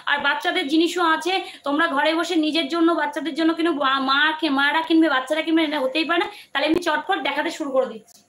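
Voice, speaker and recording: A woman's voice: sits high, fairly even intonation, fast, a bit bright. A woman selling jewelry on a live stream without a microphone, talking casually and coaxingly, repeating herself with many fillers and restarts, her throat strained. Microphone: no microphone, phone or camera mic.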